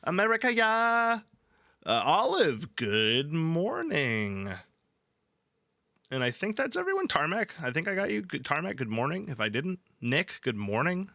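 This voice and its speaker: This livestream host has a high-leaning voice with huge pitch swings, unhurried delivery, and a creaky yet pushed, bright quality. He's jokey, profane and irreverent, alternating between chatting and reading aloud, in studio-quality sound without echo and with ambient music behind him.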